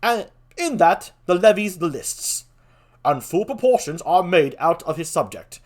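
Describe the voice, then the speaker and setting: A man acts out a genial but commanding king in Shakespearean verse. He declaims in a fairly high male voice, with lively swings in pitch. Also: unhurried, exaggerated voice. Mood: regal, commanding. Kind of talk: theatrical Shakespeare reading.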